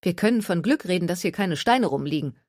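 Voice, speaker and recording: A woman's voice: on the low side, animated, fairly quick, darkish tone, no echo, studio quality. A woman voicing a practical, firm woman who speaks in a matter-of-fact way.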